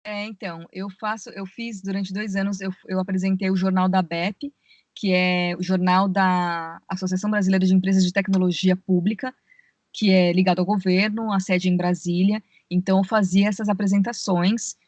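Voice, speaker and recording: Articulate voice actress, dry sound. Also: female voice, medium pitch, flat delivery, moderate pace, a little mellow, no echo, lo-fi sound. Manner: explains at length, many fillers like "né" and "assim". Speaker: voice actress and audiobook narrator. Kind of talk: podcast interview over a call. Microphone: remote call.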